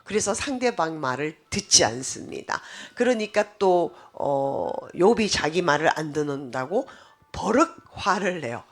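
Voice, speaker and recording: Husky-voiced woman pastor preaching animatedly. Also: low voice, unhurried. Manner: animated, explanatory preaching with rhetorical questions to the congregation. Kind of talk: sermon.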